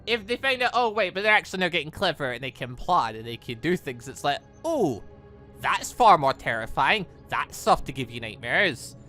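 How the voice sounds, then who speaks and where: A man plays host on a gaming channel, reading a visual novel and commenting as he goes. His voice sits slightly high and swings widely in pitch, with a bright, forceful edge. He stumbles and corrects himself as he reads. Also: very animated, moderate pace, faint music behind. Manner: stumbles over lines, self-correcting, exclaiming. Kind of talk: live read-through of a visual novel with commentary.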